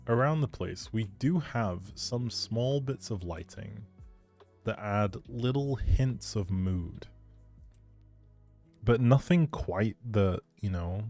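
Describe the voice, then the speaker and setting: Pitched fairly low and warm, a male streamer talks casually to his livestream audience. He reflects aloud during a session of a life-simulation game.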